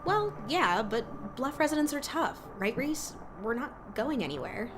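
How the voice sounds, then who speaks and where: An actress playing a stubborn, defiant young woman with an insistent, sharp-tongued manner in an audio drama. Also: high voice, sing-song, measured pace, over music. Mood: brisk, teasing. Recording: clear background noise.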